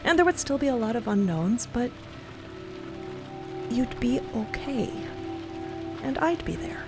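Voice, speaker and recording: An actress plays a young woman in a fiction podcast, fiercely loyal and earnest. Her voice sits fairly high, and she talks in casual, emotional bursts with a teasing edge. Music plays clearly behind her. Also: big pitch swings, unhurried. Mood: playful reassurance. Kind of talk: dramatic audio fiction acting, conversational. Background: music and rain sounds.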